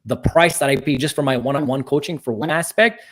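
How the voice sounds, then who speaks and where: A man's voice: mid-range voice, fairly quick, a bit bright. A man from Canada with an Armenian heritage, a podcast guest talking enthusiastically, repeating words and tagging lines with "right?". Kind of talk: casual interview talk.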